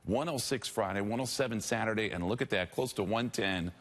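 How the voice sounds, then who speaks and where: A man's voice: lowish voice, brisk, fairly bright tone. American TV weatherman, conversational. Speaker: TV weather forecaster. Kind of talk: live weather commentary, chatty ad-lib.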